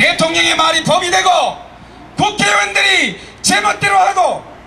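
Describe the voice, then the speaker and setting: With light background noise behind him, a man with an extremely high pitch uses a raised, projected voice, speaking at a very slow pace with very wide pitch swings. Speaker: election candidate and lawyer; election candidate. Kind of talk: campaign stump speech. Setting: outdoor market rally with crowd. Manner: loud, rousing. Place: street.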